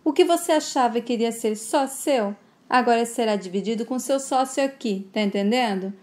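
A woman's voice: fairly high pitch, moderate pace, a little mellow, lightly acted. A woman retelling a soap opera scene, quoting a coaxing, scheming man in her own voice. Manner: coaxing, wheedling. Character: smooth-talking scheming man, flirtatious and pushy.

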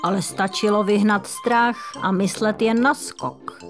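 A woman voicing a cheerful, kind female squirrel in a children's audiobook, gentle and encouraging. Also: mid-range voice, fairly even intonation, soft background music, natural voice.

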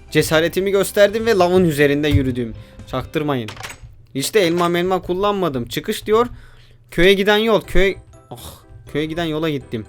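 A man with a high-set voice commentates his gameplay live. He is excitable and slangy, and his delivery breaks into frequent exasperated outbursts.

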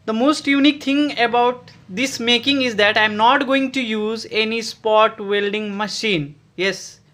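A man with an Indian accent walks through a DIY battery build, mixing Hindi and English as he explains each step. His voice is bright, and he talks slowly and deliberately. He records on a phone held over his workbench. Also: high voice. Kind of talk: DIY tutorial. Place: indoor workbench.

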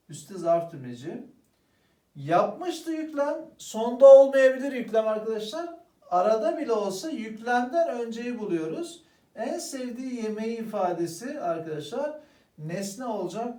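A man's voice: high-pitched, distant mic. A man teaching an exam-prep grammar lesson, speaking to the students as friends and answering his own questions. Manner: lively, addresses students as "arkadaşlar", asks and answers own questions. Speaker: Turkish language teacher. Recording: roomy echo, voice a bit off-mic.

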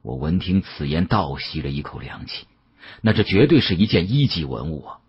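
A man narrating an audiobook as a dramatic storyteller, with an expressive, conversational delivery. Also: low voice, moderate pace, slightly rough, highs cut off.

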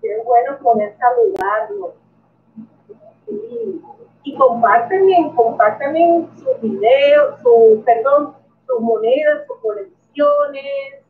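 High lively woman on a tinny live stream. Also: slow. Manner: emotional, greets viewers by name, sighing "ay". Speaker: coin collecting channel host. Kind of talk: casual live-stream chat with viewers. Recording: tinny phone-like audio from a distance.

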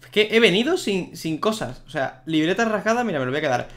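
Chatty Spanish gamer over game music. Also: male voice, sits high, very animated, fast talker. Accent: Spain. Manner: chatty, reacting out loud to the game. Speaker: gaming youtuber. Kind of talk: let's play commentary.

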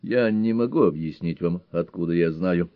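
A man's voice: sits low, moderate pace, no room sound, muffled recording, close to an everyday voice. A man voicing a cocky young man who talks in a jaunty, grinning, familiar way. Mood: pleading.

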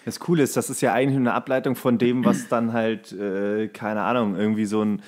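A man's voice: lowish voice, level tone, fairly quick, a little mellow. A man co-hosting a podcast in casual comedic chat, talking in a slangy, sarcastic way. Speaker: podcast co-host.

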